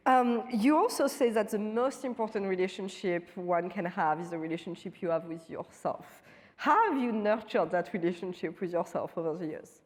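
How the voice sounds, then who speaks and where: A woman's voice: mid-range voice, moderate pace. Woman interviewer in a reverberant hall. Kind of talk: onstage conversation. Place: large conference hall.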